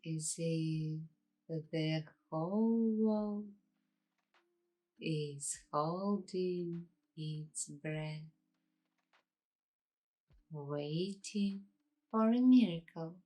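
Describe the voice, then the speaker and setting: A woman guiding an ASMR meditation in a hushed, unhurried way, leaving long pauses between short phrases. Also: deep voice, low-quality recording. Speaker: ASMR host and meditation guide. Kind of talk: slow ASMR guided meditation.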